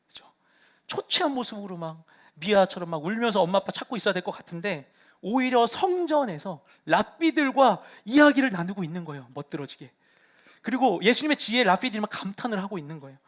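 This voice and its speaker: A man's voice: sits high, a bit bright. A man, a pastor, preaching a storytelling sermon and acting out the people in his stories.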